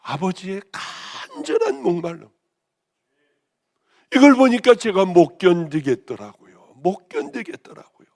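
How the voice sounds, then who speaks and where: Hoarse woman pastor preaching with passion. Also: mid-range voice, very animated, a little slow. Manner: impassioned, swinging between raised exclamations and hushed near-whispers. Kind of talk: sermon.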